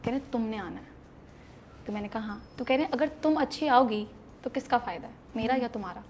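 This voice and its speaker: A young woman with a Pakistani accent, an actress guest in an interview, telling a story in a lively way and acting out the dialogue. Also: a little high, a little hiss or hum. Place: interview set.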